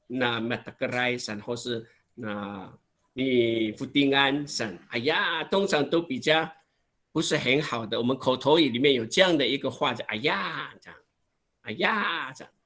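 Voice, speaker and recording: A man with a Taiwanese Mandarin accent teaching an online language lesson over a video call, acting out exclamations with drawn-out, expressive voicing. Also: medium pitch.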